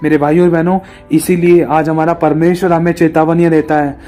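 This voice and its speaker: A male preacher tells a moral story with an earnest, repetitive delivery. His voice sits high with a soft, mellow tone, and faint music plays behind him. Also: level tone, brisk. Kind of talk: sermon with storytelling.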